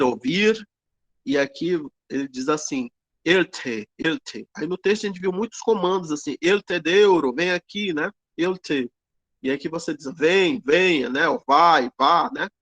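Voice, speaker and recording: A man teaching an online grammar lesson, explaining slowly with many fillers and tag questions. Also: on the high side, fairly bright tone, no echo. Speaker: Greek teacher.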